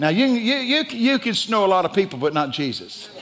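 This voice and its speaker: A man talks at a moderate pace. His pitch swings very wide over light background noise. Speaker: guest preacher. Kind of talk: sermon. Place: church. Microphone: headset.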